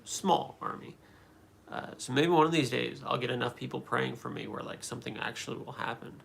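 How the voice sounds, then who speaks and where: A man's voice: medium pitch, fairly quick, vocal fry, a bit bright, slight background noise. A man hosting a livestream, chatting casually and answering comments, rambling with many fillers and restarts. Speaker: livestream host answering chat.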